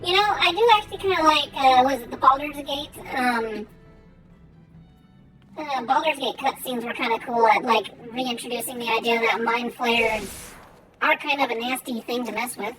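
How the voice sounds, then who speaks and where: A woman giving casual gameplay commentary and chatting with viewers in a rambling, halting way, her R's softened toward W. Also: sits high, poor audio. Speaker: game streamer. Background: faint music.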